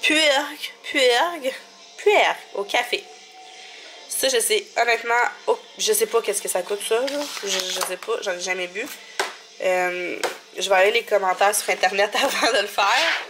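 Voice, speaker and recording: A woman in her thirties with a Québécois French accent, chatting casually in a rambling home vlog, a little sniffly from a stuffy nose. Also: mid-range voice. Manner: chatty, rambling, many fillers and little laughs. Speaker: family vlogger. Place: home kitchen, indoors.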